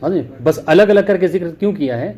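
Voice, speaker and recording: A male religious teacher giving a classroom lecture on Arabic grammar. He reads the text slowly, then explains it in quick asides and keeps asking whether it is clear. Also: sits high, animated, muffled recording. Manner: keeps checking understanding with "clear?" and "okay". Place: classroom with a student present.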